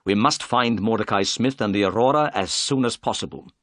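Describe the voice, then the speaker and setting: A man reading the lines of a calm, clever detective in a brisk, polite, measured way. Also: fairly low pitch, dry recording, lightly acted.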